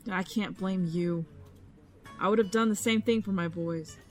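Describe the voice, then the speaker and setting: A woman's voice: mid-range voice, normal speed, soft background music, lightly acted. An actress playing a stubborn, stressed woman detective with a terse, dry delivery in an audio drama. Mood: weary, hurt. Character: stressed, stubborn, guarded female police detective. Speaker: police detective.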